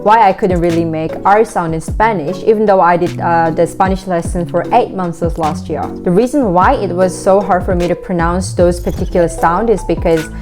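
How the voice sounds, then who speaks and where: A young woman with a Korean accent, a Korean native speaker, giving relaxed conversational tips in a vlog, often using "like" as a filler. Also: fairly low pitch, moderate pace, few pauses. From South Korea. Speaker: vlogger. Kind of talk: casual talking-to-camera tips. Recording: background music.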